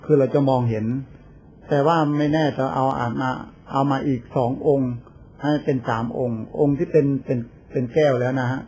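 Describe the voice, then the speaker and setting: Older monk telling stories in a sermon. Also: male voice, medium pitch, steady tone, moderate pace, mellow, a little hiss or hum. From Thailand. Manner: chatty storytelling with laughs and quoted voices. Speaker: Buddhist monk. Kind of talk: informal sermon.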